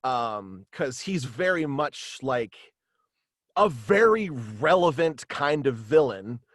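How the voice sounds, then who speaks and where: Halting young man, close dry sound. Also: mid-range voice, big pitch swings, a bit bright, no echo. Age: young adult. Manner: hesitant, halting, rambling. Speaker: interview guest, voice actor. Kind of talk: casual interview chat. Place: small indoor room with acoustic padding, video call. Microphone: close studio mic, headphones.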